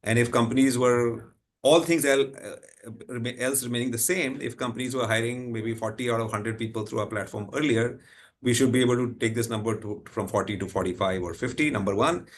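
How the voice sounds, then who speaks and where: Fielding analysts' questions on an earnings call, a company executive with an Indian accent answers off the cuff, rephrasing as he goes and tagging points with "right?". His voice is medium in pitch and fairly quick.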